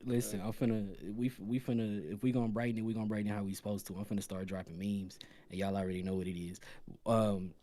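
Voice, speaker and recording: A man's voice: fairly low pitch, flat delivery, quick pace, dark tone. A man bantering in an informal, slangy way as a panelist on a gaming show. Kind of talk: casual bantering talk.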